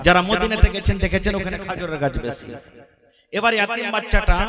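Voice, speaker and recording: A man with a high, bright preaching voice tells a religious story in with a lilt. He shifts into dramatic quoted voices and lilting, chant-like phrases. A big crowd hums clearly behind him. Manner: dramatic, sing-song, acts out quoted speech. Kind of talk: sermon storytelling.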